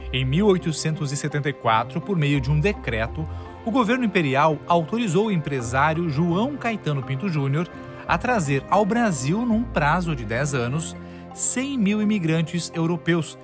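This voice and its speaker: A man with a Brazilian Portuguese accent reading a scripted news report as a reporter, in a measured, formal way. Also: fairly high pitch. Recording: voice-over with music bed.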